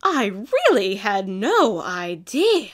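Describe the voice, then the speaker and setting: A woman voicing a refined, elegant white unicorn mare, speaking high and halting. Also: huge pitch swings, full character voice. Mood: pleading.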